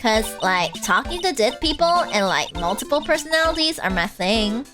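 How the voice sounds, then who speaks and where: A woman's voice: fairly high pitch, very animated, moderate pace, music in the background, voice pushed down. A woman voicing a bubbly, ditzy young sorority-type college student in a video game, with an airheaded Valley Girl accent. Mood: ditzy, casual.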